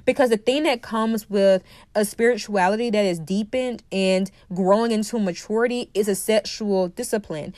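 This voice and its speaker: The recording is dry, capturing a woman's medium-pitched, darkish voice at normal speed. She's a podcast host and dating coach giving an opinionated solo monologue, lecturing forcefully, repeating key phrases, and clearly congested from a cold.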